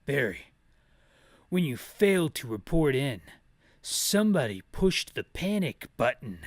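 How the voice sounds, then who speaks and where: A man voicing a blunt, rugged male agent from a video game, with a halting, dramatic delivery. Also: medium pitch, very animated, no room sound. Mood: stern, blunt. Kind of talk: amateur character voice for game dialogue.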